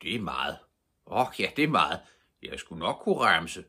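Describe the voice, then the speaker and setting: A man's voice: sits low, sing-song, pushed and bright, exaggerated voice. A man voicing a sly, giggling old robber in a storybook reading. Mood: eager.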